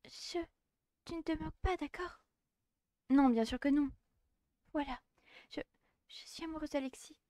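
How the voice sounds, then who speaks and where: A woman doing a shy, breathy schoolgirl voice. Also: high-pitched, a little slow, long pauses, no room sound, studio quality, pitched above the performer's own voice. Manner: soft, hesitant, stammering. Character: shy timid teenage schoolgirl, blushing.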